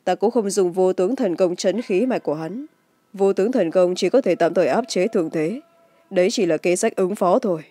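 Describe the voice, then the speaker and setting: Casting: stoic young swordsman read by a woman, mellow tone, cool and measured, wuxia audiobook with music. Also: lowish voice, close to an everyday voice. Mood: calm, nonchalant. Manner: composed, measured. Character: calm, cold young male master swordsman, stoically facing death.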